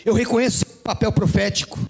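A man voicing Jesus as earnest and respectful, in a husky high voice. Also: steady tone, fast, full character voice, poor audio. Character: earnest Jesus asking to be baptized.

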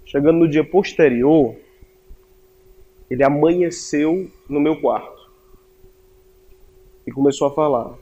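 Joking Brazilian man with a higher voice. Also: takes it slowly, pauses often, lo-fi sound. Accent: Brazilian Portuguese. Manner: joking, self-mocking, animated. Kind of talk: humorous personal storytelling.

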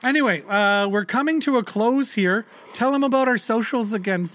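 A man's voice: extremely high pitch, moderate pace, a bit bright. A man in his thirties co-hosting a parenting podcast in casual, rambling chat, with loose swearing and lots of fillers. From Canada. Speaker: podcast co-host.

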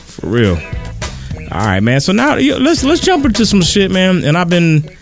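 A man co-hosting a podcast, talking in animated, slangy, casual banter. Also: sits high, normal speed, music in the background. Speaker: podcast co-host.

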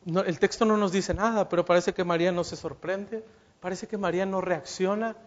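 A man's voice: high-pitched, fairly even intonation, brisk, dull audio. A man preaching a sermon, speaking straight to his listeners with rhetorical questions and acting out the lines he quotes.

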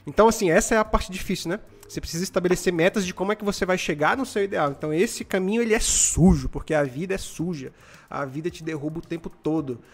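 A Brazilian man in his twenties hosting a live stream, telling stories in casual, slangy, animated motivational chat. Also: high-pitched, quick pace. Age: 20s.

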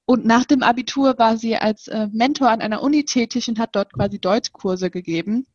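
A woman's voice: fairly high pitch, brisk, darkish tone, no room sound, highs cut off. A woman in her twenties co-hosting a podcast, hesitant, with many fillers. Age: 20s. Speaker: podcast co-host. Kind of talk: casual podcast chat.

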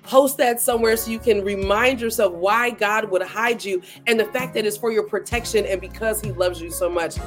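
A woman's voice: medium pitch, moderate pace, hardly any pauses. Woman, podcast host, bubbly and enthusiastic, faint music behind. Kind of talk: faith podcast interview.

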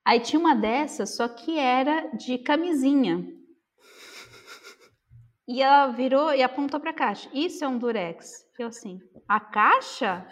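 A woman from Brazil telling a lively anecdote in casual chat, acting out the dialogue. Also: high-pitched, measured pace. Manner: animated, acts out the dialogue. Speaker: storyteller.

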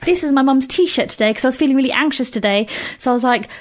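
A British woman in her thirties with a fairly high voice, talking openly as a podcast guest. She is blunt and freely profane, and she undercuts herself with quick self-mocking asides. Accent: British English. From Britain. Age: 30s. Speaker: comedian guest. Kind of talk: candid podcast conversation.

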